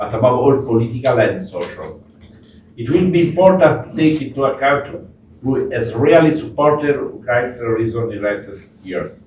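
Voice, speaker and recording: A man with an Italian accent speaks at a moderate pace and medium pitch, his pitch varying in an ordinary way, with audible room echo. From Italy. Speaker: government official. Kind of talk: panel talk, partly read from notes. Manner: halting, many fillers.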